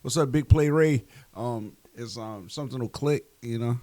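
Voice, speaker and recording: A fifty-year-old man talking loosely, full of jokes and easy swearing. His voice sits at a middle pitch, and the room is dry and close. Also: moderate pace, mellow, no echo. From Bronx, New York. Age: 50s. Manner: loose, joking, swears freely. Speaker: comedian guest. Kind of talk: casual podcast chat.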